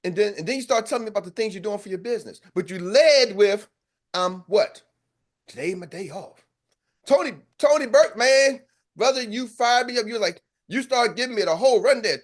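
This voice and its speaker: A high-voiced American man leads a group call as a sales coach. He talks in a fiery, preacher-like way and drives his points home by repeating them. The energy stays high as he pushes the listeners. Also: animated, a little fast. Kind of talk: motivational pep talk.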